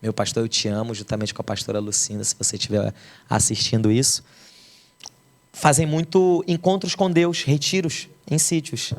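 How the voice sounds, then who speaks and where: A man's voice: mid-range voice, flat delivery, moderate pace. A young adult man from Brazil, a pastor, telling the emotional story of his conversion as a testimony.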